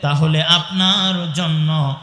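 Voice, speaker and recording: A man with a Bangladeshi Bengali accent delivers a waz sermon, moving from slow, drawn-out chanted recitation into preaching that calls out to the crowd. His voice sits high and sounds piercingly bright. Long reverb from a large hall rings around every phrase. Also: steady tone. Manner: chants Arabic verses in a slow singsong, then preaches with rising calls to the crowd.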